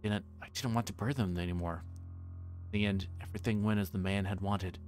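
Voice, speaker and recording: A man livestreaming a visual novel, reading it aloud in a casual, halting way that stumbles over words. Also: low voice, fairly even intonation, darkish tone, soft background music. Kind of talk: casual narrated read-aloud.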